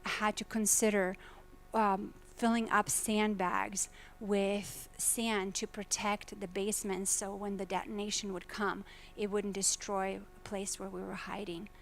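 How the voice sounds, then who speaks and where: A woman's voice: mid-range voice, level tone, unhurried, a little hiss or hum. Earnest woman from Croatia presenting. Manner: earnest, asks the audience questions. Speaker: faculty presenter. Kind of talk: conference keynote talk. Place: lecture hall at a business summit.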